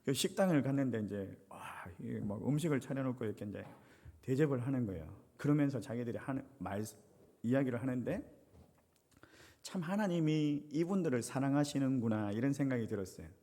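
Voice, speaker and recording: A middle-aged pastor preaching in a church sanctuary, telling a story and lively in his pitch as he acts out the people in it. His voice is a little husky, and a long hall reverb trails each phrase. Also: a little fast. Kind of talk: sermon with personal story.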